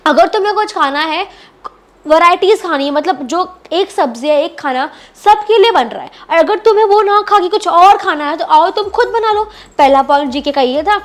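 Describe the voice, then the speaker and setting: A woman casually recapping a reality show, chatty and repetitive, often addressing listeners as "bhai" and mixing English words into her talk. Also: extremely high pitch. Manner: mixes English words into Hindi.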